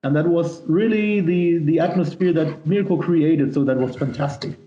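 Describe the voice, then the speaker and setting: A man's voice: on the high side, normal speed. A man with a German accent, a native German speaker and singer, giving enthusiastic, emphatic answers in a casual interview and often repeating words. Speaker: musician, power metal singer being interviewed. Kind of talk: casual interview talk, telling anecdotes. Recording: roomy echo, dull lo-fi sound.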